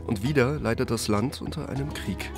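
A man reading a calm, scripted news report narration. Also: medium pitch, brisk, creaky. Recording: voice-over over music.

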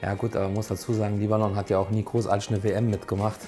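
Halting Saarland man, low voice. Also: flat delivery, mellow, faint music behind. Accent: Saarland German. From Germany (Saarland). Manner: halting, many "äh" fillers. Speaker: restaurant co-owner. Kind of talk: interview statement.

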